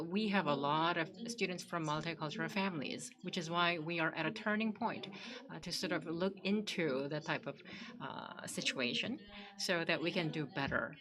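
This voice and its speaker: A woman's voice: on the low side, normal speed, crowd noise. A woman moderating a panel discussion, polite and hedging with fillers.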